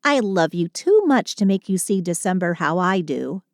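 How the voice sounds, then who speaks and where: A woman's voice: lowish voice, very animated, moderate pace, no room sound, studio quality. A woman playing a short, sulky but affectionate Christmas elf in an intimate audio roleplay, with dramatic sighing complaints and fond endearments. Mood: caring, reluctant.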